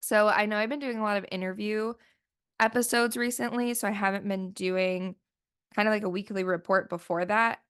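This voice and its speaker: Solo podcast host, woman, chatty and rambling, smooth voice, a bit sniffly after the flu. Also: medium pitch, fairly even intonation, normal speed, a bit bright. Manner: chatty, rambling, lots of "like" fillers. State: sniffly, voice still recovering from flu. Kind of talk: casual solo podcast chat.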